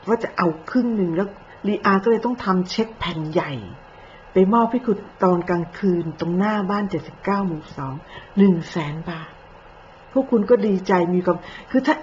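A woman's voice: medium pitch, moderate pace, darkish tone. A woman in the middle of her range lays into her targets with accusing, cutting commentary, moving from polite speech to crude speech. The recording sounds a little dull, with a faint hiss of noise behind her. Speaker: online commentator. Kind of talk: scolding commentary.

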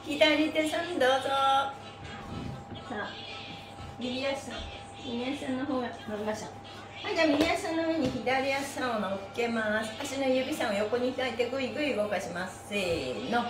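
Casting: middle-aged female exercise host, fairly high voice, bubbly and playfully polite, roomy live-stream sound over music. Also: normal speed. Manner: bubbly, animated, playfully polite, addressing body parts and objects with honorifics. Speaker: stretching class host and mime teacher. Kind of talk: upbeat live exercise lesson, chatting and counting out moves. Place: small room with mat on the floor, indoors. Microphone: phone or camera a metre or two away.

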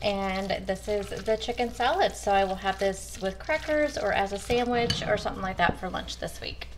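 A woman's voice: mid-range voice, normal speed, noisy background. A woman talking viewers through her weekly meal prep in a casual, chatty way as she works at her home kitchen counter. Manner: chatty, talks to viewers as "you guys". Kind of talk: casual cooking walkthrough.

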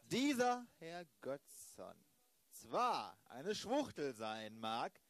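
A man's voice: a little high, big pitch swings, very slow, full character voice. A man playing a stern older police inspector in an improvised comic audio drama, emphatic and repeating phrases. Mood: insistent, lecturing.

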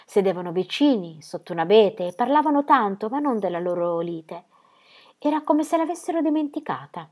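A woman reading a children's story aloud, measured and expressive, with hushed, sad passages. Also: medium pitch. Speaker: narrator.

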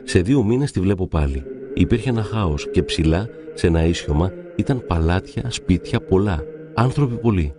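A man narrating devout stories in a calm, measured reading. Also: low voice, music in the background. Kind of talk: reverent scripted reading of saints' stories.

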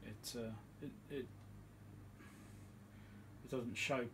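Slow-paced and steady, a man hosting an electronics repair video ambles through an unassuming, somewhat hesitant workbench demonstration inside his home workshop. His voice is medium-pitched and fairly bright, with slight background noise present.

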